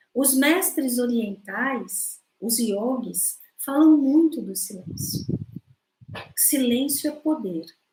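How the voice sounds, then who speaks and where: In a room with audible echo, a woman speaks at a very slow pace and a high pitch, her tone dark and mellow and her intonation lively. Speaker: spiritual teacher. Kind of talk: spiritual lecture. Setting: livestream.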